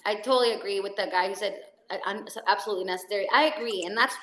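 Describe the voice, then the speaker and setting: A woman's voice: mid-range voice, very fast, a bit bright. A woman from El Salvador talks in a loose, casual chat and rambles along with plenty of fillers and restarts. Her voice carries a roomy echo from the space around her. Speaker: actress.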